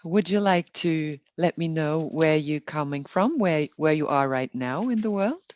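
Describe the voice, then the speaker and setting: A woman hosting an online meditation session, welcoming people in a gentle, unhurried and reassuring way. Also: sits low, lively intonation, dull audio. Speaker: meditation host. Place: online group call.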